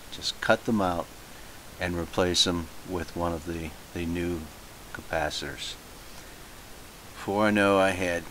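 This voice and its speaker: A man with a deep, low voice narrates a homemade how-to in an informal way. His delivery is halting, as he poses questions to himself and works through them aloud. A faint hiss runs under the home recording. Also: rough recording. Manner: halting, thinking aloud with self-posed questions. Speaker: hobbyist narrating own repair video. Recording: hissy home recording, steady noise.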